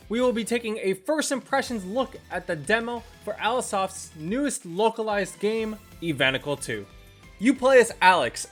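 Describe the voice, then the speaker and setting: Animated game reviewer over faint music. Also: mid-range voice. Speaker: video game reviewer, channel host. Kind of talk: scripted review narration. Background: faint background music.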